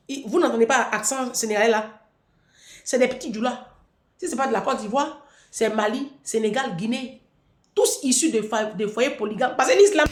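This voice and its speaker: A woman delivering a taunting, provocative vlog rant. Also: on the high side. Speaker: vlogger. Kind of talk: mocking monologue to camera. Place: room in France. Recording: echoey room.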